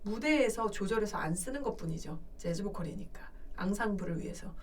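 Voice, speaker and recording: A woman's voice: medium pitch, lively intonation, brisk, far from the mic. A middle-aged woman vocal coach giving a lesson, explaining step by step and sometimes breaking into sung demonstrations.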